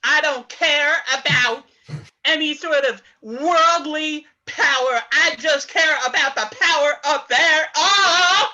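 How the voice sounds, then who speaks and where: A woman's voice: high voice, takes it slowly, bright, forceful tone, full character voice, poor audio. A woman voicing a grand, exalted penguin preacher in improvised comedy, declaiming theatrically. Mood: exalted, preaching.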